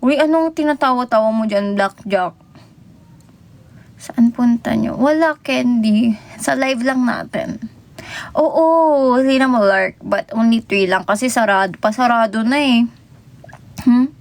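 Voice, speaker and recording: A woman's voice: fairly high pitch, measured pace. A young Filipino woman chatting casually with viewers on a livestream, giggling and greeting people by name. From Philippines. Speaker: idol livestreamer. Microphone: phone.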